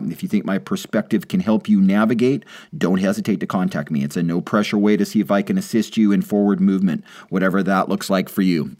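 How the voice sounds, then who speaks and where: A man hosting a podcast, delivering a scripted introduction and announcements straight to his listeners. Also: low-pitched. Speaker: podcast host.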